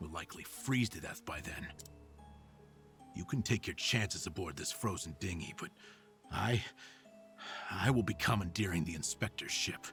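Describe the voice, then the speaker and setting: A man puts on a character voice with a very deep, low pitch and lively intonation, talking at a moderate pace with long, frequent pauses. Clear music plays in the background. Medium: video game. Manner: gruff, curt.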